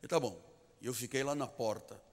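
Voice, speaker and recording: Emphatic Portuguese-accented preacher in a reverberant church. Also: male voice, medium pitch, a little fast. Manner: emphatic, repeats key phrases, storytelling. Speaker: pastor. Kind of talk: sermon. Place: large church sanctuary.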